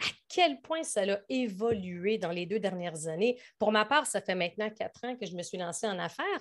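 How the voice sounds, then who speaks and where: On a very clean recording with a silent background, a woman speaks at a moderate pace with lively intonation in an unremarkable speaking voice. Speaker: podcast host, business coach. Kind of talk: interview.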